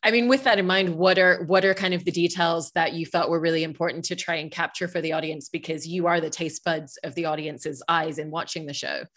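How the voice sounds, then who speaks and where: A young adult woman moderating an interview on a video call, asking long, measured questions. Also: low-pitched, steady tone, fairly bright tone.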